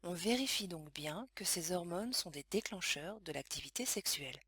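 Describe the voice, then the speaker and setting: A woman reading scripted science lesson narration in a measured, explanatory way. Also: on the low side, expressive, a bit bright, breathy edge, no echo, studio quality. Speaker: educational narrator.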